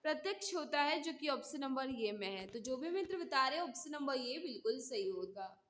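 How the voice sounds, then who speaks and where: A woman hosts an exam-prep quiz lesson in a high-pitched, bright, forward voice. She reads each question out, often says it again, and prods listeners to answer before explaining the solution. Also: animated, brisk. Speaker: teacher hosting an online exam-prep class.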